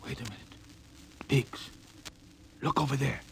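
An actor playing an excitable, chummy crewman in 1950s radio drama style. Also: medium pitch, measured pace, gravelly. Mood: excited. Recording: noisy vintage radio broadcast recording.

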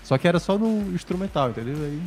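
A man's voice: high voice, animated, quick pace, darkish tone, faint music behind. A man from gives casual, conversational sports commentary on a podcast. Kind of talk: casual sports chat and analysis.

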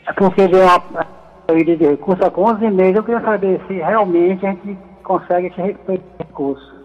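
A man's voice: sits high, steady tone, moderate pace, soft background music. A man calling in to a radio show over the phone, talking hurriedly and hard to make out. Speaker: caller. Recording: muffled phone line.

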